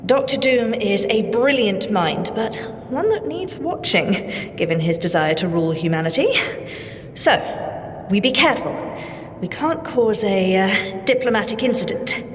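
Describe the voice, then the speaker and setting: An actress with a British accent playing an earnest, prim, easily flustered scientist agent in an audio drama. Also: female voice, mid-range voice, expressive, normal speed, natural voice. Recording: long reverb, faint background noise.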